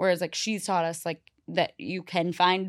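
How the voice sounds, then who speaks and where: At a moderate pace, a normal speaking voice comes through in a very clean recording with a silent background and a dry, close sound with no echo. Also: woman. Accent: American. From North Carolina. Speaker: entrepreneur, company co-founder. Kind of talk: casual interview chat. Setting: studio.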